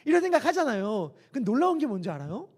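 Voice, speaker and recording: A man's voice: extremely high pitch, big pitch swings, racing, darkish tone. A man preaching a sermon as pastor in a church, talking conversationally and asking the congregation questions. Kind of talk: expository sermon. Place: church sanctuary.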